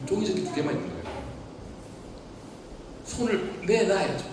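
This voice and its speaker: A man's voice: sits high, huge pitch swings, moderate pace, noisy background. A man preaching as a pastor, asking the congregation question after question. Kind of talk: sermon. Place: church hall. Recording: echoey hall, voice from far off.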